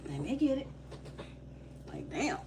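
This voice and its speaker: Laughing readily, this young Haitian-accented tarot reader does live readings in a slangy, chatty style. Her voice sits high with big pitch swings, she speaks a little slowly, and the background is noisy.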